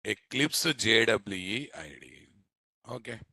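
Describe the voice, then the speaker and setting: Leading a live coding class, a man with a Telugu Indian accent stresses his points, repeats himself, and keeps quizzing listeners with brief tag questions. His lowish voice is expressive, unhurried, pushed and bright, captured in studio quality with no echo.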